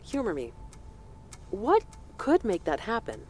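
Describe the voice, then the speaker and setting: A woman playing a senator who questions a witness in measured, probing tones in an audio drama. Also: medium pitch, wildly swooping pitch, darkish tone, slight background noise. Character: cool, secretive female senator interrogator.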